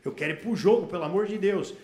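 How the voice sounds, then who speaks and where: A man's voice: sits high, fast, a little mellow. A Brazilian man doing stand-up, telling a story with slang and curses and acting out the dialogue in other voices. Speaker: stand-up comedian. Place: comedy stage before a laughing audience. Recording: echoey live room, audience noise.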